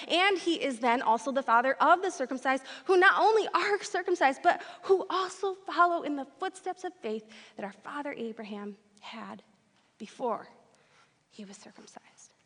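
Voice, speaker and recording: A high-pitched woman's voice swings very widely in pitch and shifts greatly in loudness. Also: moderate pace. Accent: American. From US Midwest, Metro Detroit, Michigan. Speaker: pastor. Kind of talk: sermon.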